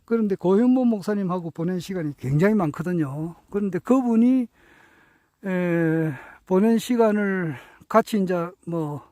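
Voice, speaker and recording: A man in his sixties giving a reflective spoken talk, earnest and hesitant, with many drawn-out fillers and self-corrections. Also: high-pitched, expressive, mellow, dry recording, low-quality recording. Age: 60s. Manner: earnest, self-correcting while counting out years. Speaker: speaker sharing reflections on his teachers.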